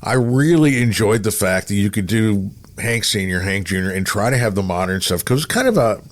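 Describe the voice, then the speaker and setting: A man's voice: fairly low pitch, expressive, fairly quick. A man chatting casually as a podcast co-host, rambling along in a self-deprecating way. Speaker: podcast co-host, former radio programmer. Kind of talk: casual radio-industry chat.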